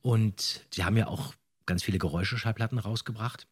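A man's voice: lowish voice, fairly quick, breathy edge. A middle-aged podcast co-host, a man chatting casually in a playful, mock-dramatic way. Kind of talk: casual chat.

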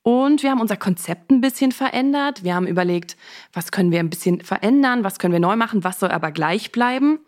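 Woman, podcast host, mid-pitched voice, casual conversational delivery. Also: expressive, fast talker.

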